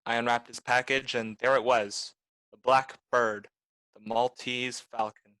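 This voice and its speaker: A man playing a hard-boiled private detective in a noir radio play, terse, wry and deadpan. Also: medium pitch, measured pace, smooth, no room sound, close to an everyday voice, low-quality recording. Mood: wry, weary.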